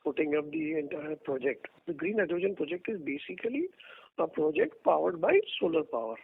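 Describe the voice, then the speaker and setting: A man's voice: on the high side, sing-song, brisk, gravelly, breathy edge. A man with an Indian accent, a company executive explaining plans on an earnings call over a noisy phone line. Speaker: company executive answering questions.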